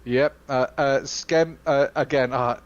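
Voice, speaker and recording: A Welsh-speaking man co-hosting a casual live-stream Q&A, talking in a chatty, halting way full of fillers and restarts. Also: medium pitch, fairly even intonation, highs cut off. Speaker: studio co-host.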